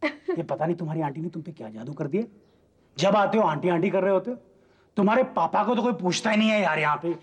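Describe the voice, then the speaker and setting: Doting TV-drama dad, theatrical and teasing, higher-pitched husky voice, wistful underneath. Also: male voice, big pitch swings, quick pace, a little mellow. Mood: playful, teasing. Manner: teasing, theatrical, mock-formal with the child. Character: playful, doting father of a young child, secretly wistful. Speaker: actor in a TV serial. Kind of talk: Hindi TV serial drama acting.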